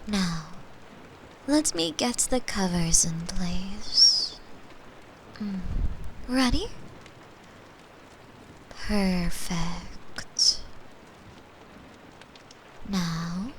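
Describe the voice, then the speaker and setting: A woman playing a caring, playful young girlfriend in an intimate ASMR bedtime roleplay, gentle and soothing, sometimes slipping into whispers. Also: mid-range voice, animated, extremely slow, pauses often, a little hiss or hum, full character voice, rough recording. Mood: tender, soothing. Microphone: close microphone, made for headphones.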